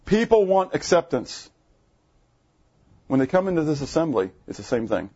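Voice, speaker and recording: Husky animated preacher man. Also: moderate pace, highs cut off. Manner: animated, asks the congregation questions; jumpy pitch, bursts high when excited. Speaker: pastor. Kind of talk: sermon. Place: church assembly room.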